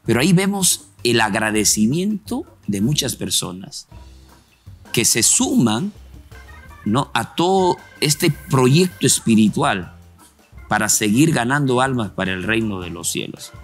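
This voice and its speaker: A man's voice: medium pitch, lively intonation, measured pace, soft background music. A man hosting a Christian program, commenting on the testimony in a preacherly way and quoting scripture. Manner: preacherly, reflective, quotes scripture. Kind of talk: sermon-like interview commentary.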